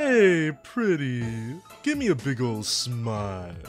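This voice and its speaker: Clear music plays in the background as a man delivers a cartoonish character voice at a medium pitch and a very slow pace. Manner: smarmy, entitled.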